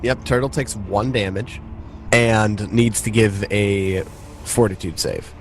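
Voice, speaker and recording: A man's voice: on the low side, slow pace, slight background noise. A man acting as game master, narrating a tabletop roleplaying game in a conversational, descriptive way.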